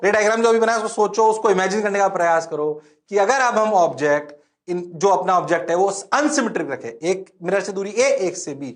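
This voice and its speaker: A male physics teacher giving a lively exam-prep lecture, repeating questions to his students. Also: high-pitched. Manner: animated, playful, repeats questions to the class.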